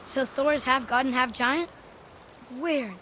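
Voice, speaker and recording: High-voiced curious boy. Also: slow, background noise. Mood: puzzled. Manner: inquisitive, plain-spoken, youthful. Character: curious, outspoken young boy travelling with his elders. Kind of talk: video game character dialogue.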